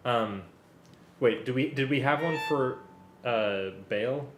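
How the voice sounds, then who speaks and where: Male script reader at a music rehearsal, medium pitch, echoey room, loud string music behind. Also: takes it slowly. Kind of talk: reading script aloud and directing a music rehearsal. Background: loud violin and string music.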